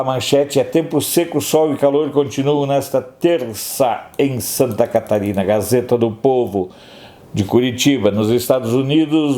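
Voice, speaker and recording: Dark-voiced man reviewing headlines. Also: medium pitch. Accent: Brazilian Portuguese. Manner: sarcastic asides between headlines. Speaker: news commentator.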